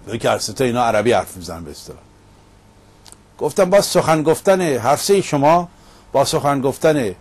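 A man's voice: mid-range voice, darkish tone. A middle-aged man hosting a monologue show, recounting a debate in an emphatic storytelling manner. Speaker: host. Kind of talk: casual monologue. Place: Paris.

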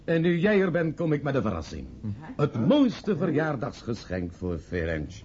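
An actor playing an effusive, ceremonious party guest in a Dutch radio play, speaking in a declamatory way. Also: male voice, on the high side, huge pitch swings, normal speed, a little mellow. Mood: festive, ceremonious. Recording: dull lo-fi radio play recording.

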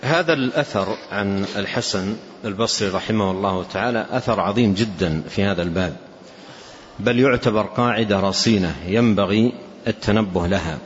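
A man giving a religious lesson as a scholar commenting on a classical text, speaking deliberately and repeating key phrases for emphasis. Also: fairly low pitch, slight background noise. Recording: dull lo-fi recording.

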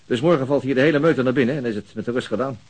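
A man playing a fast-talking weary detective. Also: mid-range voice, a little mellow, close to an everyday voice. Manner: terse, dryly ironic. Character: dry, weary male homicide detective. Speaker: homicide detective. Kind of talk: radio play acting.

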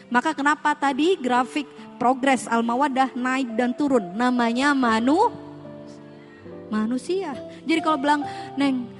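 A woman giving an Islamic parenting talk to parents, animated, asking the audience questions and acting out quoted speech. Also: fairly high pitch. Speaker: parenting seminar speaker.

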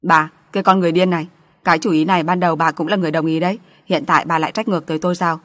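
A woman's voice: fairly low pitch, steady tone, very fast, a bit bright, close to an everyday voice. A woman voicing a hot-tempered, scheming husband and father in an audiobook, scolding and defensive. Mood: indignant, defensive.

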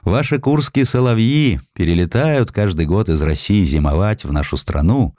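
A man reading a scripted historical sketch as an audiobook narrator, in an expressive, dramatic storytelling manner. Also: fairly low pitch, normal speed, no echo, clean studio sound. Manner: expressive storytelling, acting out quoted speech.

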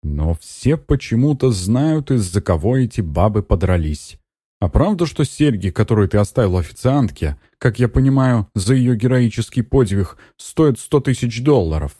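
A sarcastic young nephew in an audiobook, put on by a male reader who pushes his voice higher. He needles and teases with a smirking edge. The sound is dry and close. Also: lively intonation, normal speed, mellow, slightly rough, dry recording. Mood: mocking. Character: young man, mocking teasing nephew.

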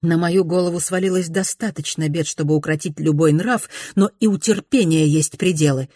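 A composed young woman, as a woman reading aloud plays her, speaking in a quiet, measured, restrained way. Her voice stays low and firm in a storybook reading. The sound is dry and close. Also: breathy edge, no echo.

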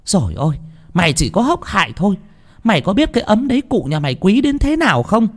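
A man's voice: mid-range voice, big pitch swings, a little fast, dark tone, breathy edge. A man voicing a spiteful, greedy older woman, the landlord's wife, scolding with scorn. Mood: shrieking.

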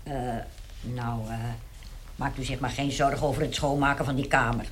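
An actress playing a brash, blunt, callous cleaning woman in a radio play, with a loud and coarse way of talking. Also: very deep voice, steady tone, normal speed, slight background noise. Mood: brisk, offhand. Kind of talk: 1960s radio play acting.

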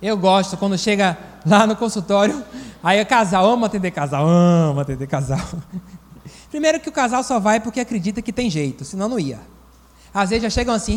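Male pastor with a high voice, animated preaching style, long church-hall reverb. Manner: animated, acts out quoted voices. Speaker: pastor and psychologist. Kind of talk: sermon.

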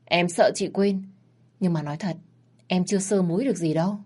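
A woman's voice: lowish voice, a little fast, dark tone, lightly acted. A woman voicing a cheeky, sweet-voiced effeminate young man. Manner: sweet, playful.

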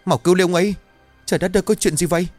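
A man doing an alarmed villager yelling for help. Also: sits high, fairly even intonation, racing, no room sound, faint music behind, pitched above the performer's own voice. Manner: shouting in alarm.

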